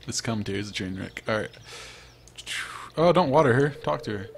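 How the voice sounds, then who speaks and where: A man's voice: mid-range voice, expressive, a little fast, creaky, a little hiss or hum. A young man giving casual, rambling, self-mocking commentary as he plays a farming video game. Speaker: let's play host.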